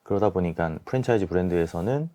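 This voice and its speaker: A man in his forties giving measured, softened explanations as an expert guest in a radio interview. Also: low voice. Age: 40s. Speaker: guest, small-business expert and YouTuber. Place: radio studio.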